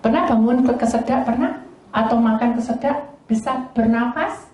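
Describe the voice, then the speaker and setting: A woman pastor, giving an animated sermon that tells a story and puts questions to the congregation. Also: fairly high pitch, a little fast. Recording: echoey room with faint noise.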